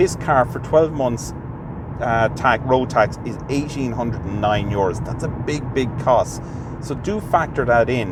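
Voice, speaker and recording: A man with an Irish accent speaks at a moderate pace in a medium pitch with ordinary pitch variation. Noticeable background noise and audible room echo fill the recording. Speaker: car reviewer. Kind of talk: car review while driving. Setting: in a car. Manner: hushed.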